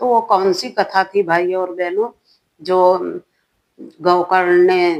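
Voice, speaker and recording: A woman speaks at a medium pitch. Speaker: religious storyteller. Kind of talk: devotional storytelling. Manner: halting.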